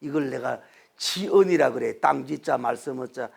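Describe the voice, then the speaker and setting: Male pastor, sermon, heavily gravelly voice, rhetorical questions, loud to hushed. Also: mid-range voice, moderate pace, slight background noise.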